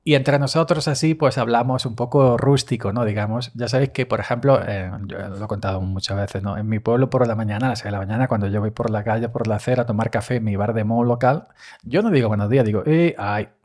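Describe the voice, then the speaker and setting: A man's voice: medium pitch, quick pace, darkish tone. A man hosting a casual monologue podcast, talking in a rambling, chatty way and often correcting himself. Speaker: podcast host and olive farm worker. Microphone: studio microphone.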